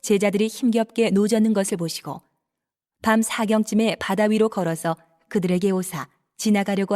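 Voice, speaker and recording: A woman narrating scripture in a steady, formal manner. Her voice sits at an ordinary middle pitch and her delivery stays even throughout.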